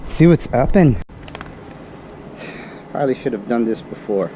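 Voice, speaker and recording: Young male student vlogger, fake Irish accent, mid-pitched, self-deprecating mutter, outdoor street noise. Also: animated, unhurried. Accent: put-on Irish. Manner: self-mocking, muttering to himself. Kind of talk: casual walking vlog commentary. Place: outdoors on city streets and a campus.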